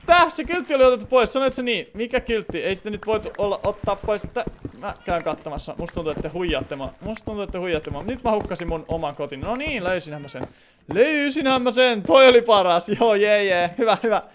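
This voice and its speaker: A man's voice: sits high, slight background noise. A man casually commentating his game stream, playful and chatty with lots of fillers.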